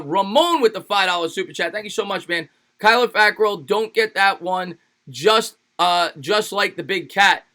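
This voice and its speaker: A man with a high-pitched, ringing voice runs a casual livestream, thanking fans and hyping them up. His voice is a bit raspy and worn from a lot of streaming. He sounds loose and energetic, talking into a home mic. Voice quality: slightly raspy. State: tired. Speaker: sports YouTube host reading super chats.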